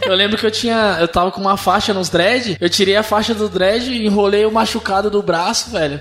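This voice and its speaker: Noticeable background noise sits behind a man with a high pitch and fairly even intonation. He talks at a fairly quick pace with hardly any pauses. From Brazil, Diadema (Greater São Paulo). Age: 20s. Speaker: front-end developer and podcaster. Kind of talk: casual chat.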